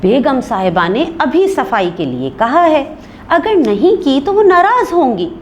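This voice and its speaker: A woman's voice: sits high, very animated, unhurried, slight background noise, voice pushed up. A woman voicing a dutiful, deferential male house servant, reading a play aloud for a class.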